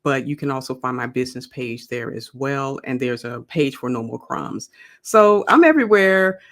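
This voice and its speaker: A woman's voice: rumbling low, lively intonation, normal speed, a bit bright. A woman author speaking as a podcast guest in casual interview chat, conversational with frequent ums and restarts.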